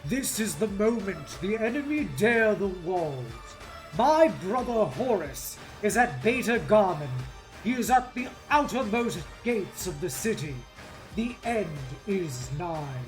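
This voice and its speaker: A woman takes on a resolute male military commander in a dramatic novel reading. The delivery is solemn and declamatory, with slow pacing and wide swings in pitch. Faint music sits behind the voice. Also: big pitch swings. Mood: grave. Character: Dorn, grave resolute male warrior commander. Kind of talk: dramatic novel read-aloud.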